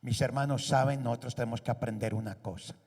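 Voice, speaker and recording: A man's voice: medium pitch, steady tone, fast talker, a little mellow. A pastor preaching a sermon. He is emphatic and keeps putting rhetorical questions to the congregation. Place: church hall. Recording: echoey church hall.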